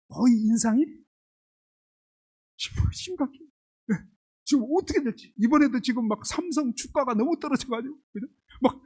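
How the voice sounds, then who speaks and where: A man's voice: very high voice, warm tone, breathy edge, rough recording. A man preaching a sermon, firing rhetorical questions at the congregation and illustrating his points with homely everyday examples. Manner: asks the congregation constant rhetorical questions, emphatic.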